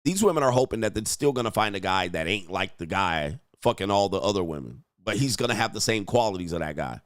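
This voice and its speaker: A man's voice: fairly low pitch, animated, quick pace, clean tone, no echo, clean studio sound. A man commenting on clips as a dating coach, brash and mocking, swearing and punching words for emphasis. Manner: brash, profane, mocking, with sudden emphatic swells. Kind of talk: provocative reaction commentary.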